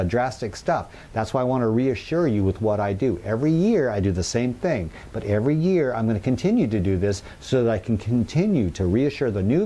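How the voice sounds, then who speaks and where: A man's voice: fairly low pitch, dark tone. Cheerful man on a garden patio. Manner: upbeat, reassuring, chatty. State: recovered, slight leftover throat. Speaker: gardening channel host. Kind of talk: casual gardening tutorial. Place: outdoor patio garden full of potted plants.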